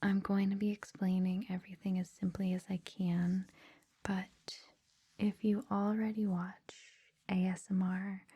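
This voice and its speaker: A woman host whispering softly in an ASMR style, gentle, reassuring and informal as she speaks to her listeners. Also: mid-range voice, level tone, a little slow, dull audio. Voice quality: soft breathy whisper. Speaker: ASMR host introducing a meditation series.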